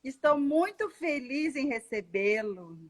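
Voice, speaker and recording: A woman from Goiânia hosts a live online interview with a high, bright-sounding voice. She talks in a chatty, storytelling way and laughs easily. The sound has the feel of a video call. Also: expressive, slow pace, crowd noise. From Goiânia, Brazil. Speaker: host.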